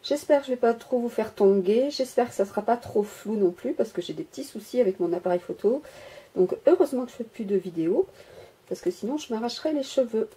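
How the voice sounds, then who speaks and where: Showing off her miniature workshop at home, a crafter rambles through a casual show-and-tell, hesitating often and poking fun at herself. Her voice is on the high side yet very dark and mellow, husky and breathy, expressive and brisk. The sound comes from the built-in mic of the camera she holds.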